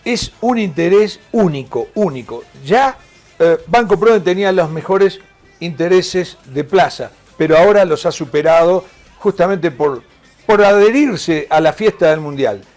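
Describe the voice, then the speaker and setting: A man's voice: high-pitched, animated, a little slow, darkish tone, soft background music. A man from Argentina with an Argentine accent, co-hosting a morning TV talk show in a chatty, joking way. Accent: Argentine Spanish. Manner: chatty, joking, reads out ad figures. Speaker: TV show co-host. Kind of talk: casual TV talk show banter.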